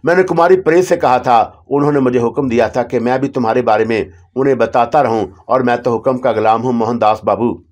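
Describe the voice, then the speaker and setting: A man's voice: mid-range voice, fairly even intonation, brisk, a little mellow, close to an everyday voice. A man reading as a cornered, servile informant. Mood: cornered defiance. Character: servile male informant, cornered but defiant.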